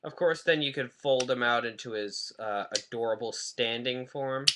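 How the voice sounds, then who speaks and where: A man's voice: medium pitch, moderate pace, very noisy. A man chatting casually in a rambling, self-deprecating way while reviewing a toy on his webcam at home. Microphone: webcam mic.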